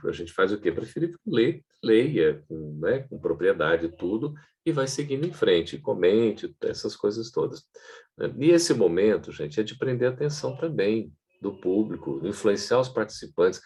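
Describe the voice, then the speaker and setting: A man giving an online training lecture on public speaking to camera, in a lively teaching tone with frequent checking asides. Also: on the low side, breathy edge.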